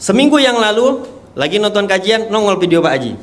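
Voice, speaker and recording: A young adult man with a high-sitting, very animated voice speaks briskly, giving his testimony before a live audience. He tells it with emotion and emphasis, laughing often.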